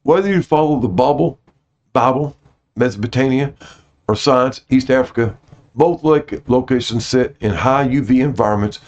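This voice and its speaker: A man's voice: medium pitch, normal speed, darkish tone. A man reading aloud to his viewers in an informal way, stumbling over some words and correcting himself. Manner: apologetic about his pronunciation. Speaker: host reading out notes to viewers. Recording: dull lo-fi audio.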